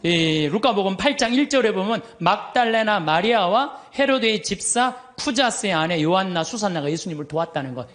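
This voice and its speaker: A middle-aged man, a Catholic priest, telling stories in a lively sermon, acting out the voices of others and laughing as he goes. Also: high voice. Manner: animated, acts out quoted voices, laughs often.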